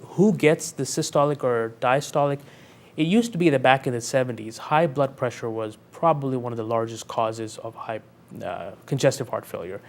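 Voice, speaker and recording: A man in his thirties from Pakistan, raised in North Carolina, who explains medical topics calmly and clearly as an interview guest. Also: medium pitch. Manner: calm, measured, explains clearly with analogies. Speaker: cardiologist guest.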